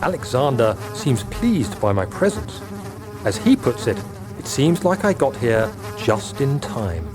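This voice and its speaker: An actor playing a young, troubled Englishman who reads his diary in measured, formal phrases. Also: medium pitch, sing-song, rough recording. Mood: calm, reflective. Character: young Englishman writing a haunted, fearful travel diary. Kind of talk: dramatic diary narration.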